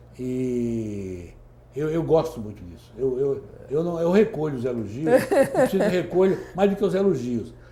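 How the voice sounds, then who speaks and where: Over audible room echo, a man with a fairly high, somewhat breathy voice and a dark, mellow tone talks at a fairly slow pace, his pitch swinging very widely and his loudness rising and falling sharply. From Alagoas, northeastern Brazil. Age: 70s. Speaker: writer and journalist. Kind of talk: interview. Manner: halting, repeats words.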